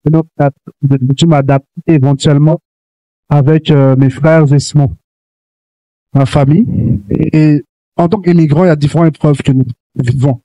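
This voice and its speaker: A man's voice: a little high, steady tone, normal speed, long pauses, dark tone, dry recording. A man hosting a Christian youth talk show, speaking earnestly and exhorting young listeners, with many restarts. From grew up in Canada. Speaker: host.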